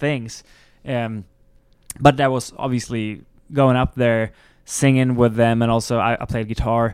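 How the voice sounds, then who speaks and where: A man with a Swedish accent speaks at a fairly slow pace in a monotone, flat intonation. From Sweden, Stockholm. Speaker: guitarist. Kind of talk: interview.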